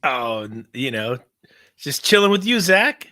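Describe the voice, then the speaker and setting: A man in his fifties chatting casually as podcast host, excitable and rambling, often laughing. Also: mid-range voice, unhurried. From California. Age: 50s. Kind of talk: casual chat.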